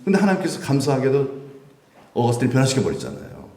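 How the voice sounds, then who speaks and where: Male pastor, animated sermon delivery, pitch swinging widely, recorded from a distance in a reverberant sanctuary. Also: fast talker. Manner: animated preaching with rhetorical questions. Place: church sanctuary. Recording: roomy church echo, mic at a distance.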